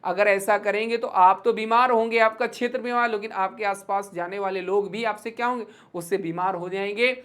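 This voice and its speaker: A woman with an Indian accent teaches an online exam-prep class, switching between Hindi and English and addressing her students as "beta." She recites English verse slowly and rhythmically. Her voice is medium in pitch, steady, and fairly bright.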